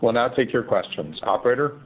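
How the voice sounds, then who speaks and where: A man's voice: mid-range voice, expressive, brisk, crowd noise. A man speaking as a company executive, giving formal scripted remarks over lo-fi conference call audio.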